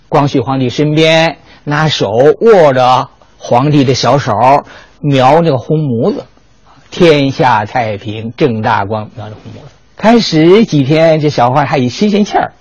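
An older man giving a storytelling history lecture, lively and animated, often asking his listeners rhetorical questions. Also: a little high, breathy edge, no echo.

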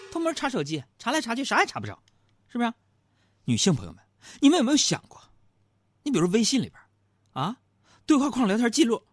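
A middle-aged man, hosting a comic storytelling monologue. He is chatty and teasing and keeps asking his audience rhetorical questions. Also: high voice. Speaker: comedy talk show host.

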